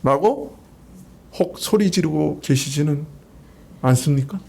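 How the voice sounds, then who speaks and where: A man preaches a Sunday sermon from a church pulpit. His voice sits high for a man. He speaks conversationally and keeps turning to the congregation with rhetorical questions. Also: expressive, normal speed, darkish tone, slight background noise. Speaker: pastor. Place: church sanctuary.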